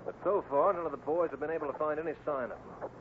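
A man playing a steady, fatherly, straight-talking ranch foreman in an old radio Western. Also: fairly high pitch, fast, lightly acted. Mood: grave, fatherly. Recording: noisy, tinny old radio recording.

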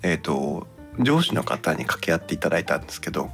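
A man with a low, creaky voice chats casually as a podcast host. His pitch moves around in a lively way as he explains things in halting, polite but relaxed phrases. Faint music sits behind him.

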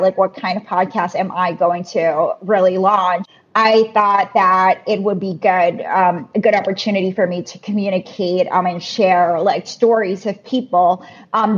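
A woman in her thirties from the Philippines talks casually as a guest, stacking up fillers and restarting her sentences. Her voice has a husky edge. The recording sounds muffled and lo-fi. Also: medium pitch. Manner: chatty, many fillers and restarts. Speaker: podcast guest. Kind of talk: casual interview talk. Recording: muffled lo-fi audio.

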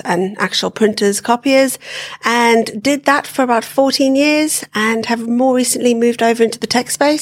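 A woman from South Africa, a sales professional talking as a podcast guest, chatty and often restarting her sentences. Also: medium pitch. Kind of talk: casual interview chat.

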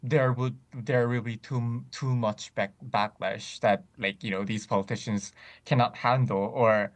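A man in casual discussion, speaking thoughtfully with frequent pauses and restarts. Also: medium pitch, fairly even intonation. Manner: many fillers and restarts, thoughtful.

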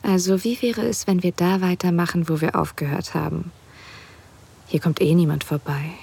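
An actress playing a playful, teasing married woman in an intimate audio drama, speaking in a relaxed half-whisper. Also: lowish voice, moderate pace, gravelly, slightly rough, heavily acted. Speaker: wife in an erotic audio drama.

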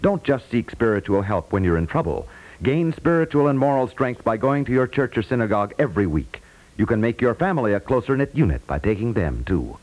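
A man's voice: mid-range voice, big pitch swings, fairly quick, darkish tone, poor audio. A man announcing in an earnest, formal, scripted 1950s radio style. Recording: vintage 1950s radio recording.

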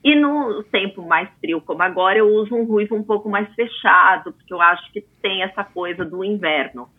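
A Brazilian woman in her forties, a guest in an interview, chatting in a lively way with many asides. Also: mid-range voice, moderate pace, slightly rough. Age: 40s. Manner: chatty, animated storyteller with frequent asides. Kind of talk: casual interview talk. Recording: tinny phone-like line.

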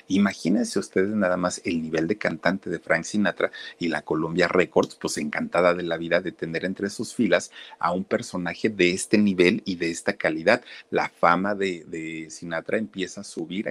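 Chatty storyteller, low voice. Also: male voice, dry recording. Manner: chatty, addresses viewers, many fillers. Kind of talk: casual biographical storytelling.

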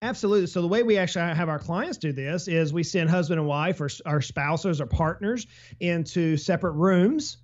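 A man talks with energy and a slightly high pitch. He speaks casually as a financial advisor and keeps using road-trip comparisons to explain things. The recording sounds a bit dull and lo-fi. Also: fairly quick. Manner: energetic, explains with travel analogies and hypothetical quotes. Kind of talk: casual business podcast talk.

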